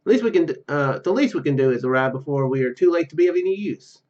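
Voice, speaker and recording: Casting: male gaming host, fairly high voice, reads story text with casual asides, slightly dull recording. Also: animated, fast, darkish tone. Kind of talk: reading game narration aloud with casual commentary.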